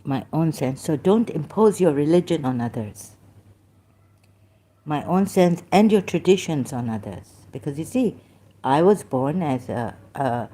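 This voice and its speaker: A woman from Pakistan with a Pakistani accent, talking in a rambling, halting way with many fillers and restarts. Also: low-pitched, lively intonation, dark tone. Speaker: vlogger. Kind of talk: casual monologue, reading aloud at times.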